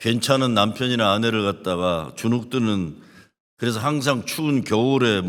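Audible room echo surrounds a man's voice. He has a fairly low pitch and a fairly slow pace. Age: old. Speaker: pastor. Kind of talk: sermon.

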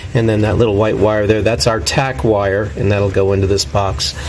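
With light background noise, a man speaks in a plain, everyday voice, fairly low in pitch, at a moderate pace. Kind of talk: tutorial. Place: garage. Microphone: phone near.

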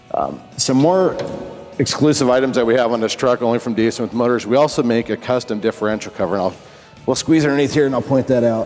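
Over faint background music, a man talks at a very fast pace with ordinary pitch variation. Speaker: dealership salesperson. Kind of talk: product walkaround presentation. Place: garage.

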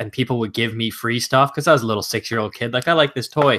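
A bright, sharp tone in a Canadian accent, with fairly even intonation against a quiet background. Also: man. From Ontario, Canada. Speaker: reseller and YouTuber. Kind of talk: casual chat. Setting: video call. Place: home room. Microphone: earbuds.

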